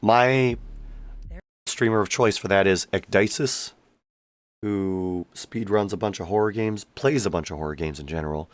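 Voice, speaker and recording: A man's voice: lowish voice, moderate pace, dry recording. A man giving casual, wry game commentary on a stream, his voice tired and under the weather. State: sick, tired voice after hours of streaming. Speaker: streamer and voice actor.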